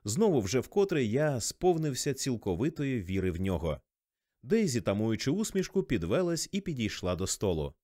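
An expressive male narrator reads a scripted literary audiobook in a mid-range voice at normal speed. The recording is studio quality with no echo.

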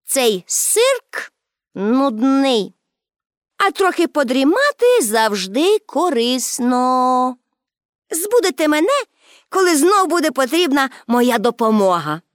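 A woman's voice: high voice, big pitch swings, slow pace, no echo, studio quality, exaggerated voice. A woman voicing a bold, cheerful, mighty little girl with a cocky, carefree manner. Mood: dismissive.

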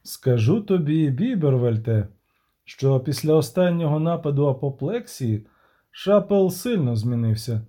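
A man voicing a shrewd, gruff male dwarf banker who talks frankly and cynically in an audiobook. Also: a little high, lively intonation, measured pace, mellow. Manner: worldly, cynical, frank talker.

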